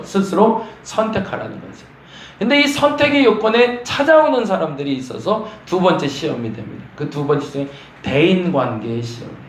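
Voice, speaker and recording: A male pastor giving an early morning sermon, his voice rising and falling with lively swings. He sits a little high for a man, and the church room around him rings with echo under a faint hum. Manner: lively, acts out complaining prayers in a raised voice. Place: church sanctuary.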